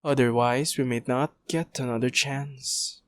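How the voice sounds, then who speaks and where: A man's voice: mid-range voice, fairly even intonation, a little slow, close to an everyday voice. A man playing a formal, pompous doctor in an audio roleplay, speaking in long-worded clinical phrases. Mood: assured, formal. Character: formal, pompous male doctor, smoothly evasive scientist. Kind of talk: ASMR audio roleplay acting.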